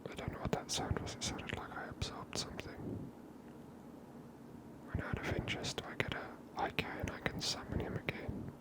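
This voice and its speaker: A game streamer giving hushed, whispered ASMR commentary, thinking aloud in an unhurried way close to the microphone. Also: rough recording. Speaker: gaming ASMR host.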